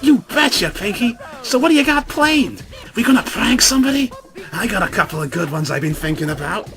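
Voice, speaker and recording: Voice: mid-range voice, sing-song, unhurried, gravelly, a bit bright, faint music behind, full character voice. A narrator voicing a brash, sporty young pegasus pony mare in a storybook reading, talking eagerly and bluntly.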